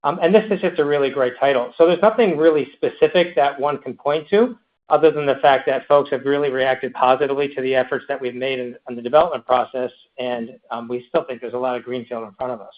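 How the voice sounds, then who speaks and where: Exec guy on earnings call, mid pitch, kinda halting, dull lo-fi audio. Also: fairly even intonation. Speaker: company executive. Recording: muffled conference call audio.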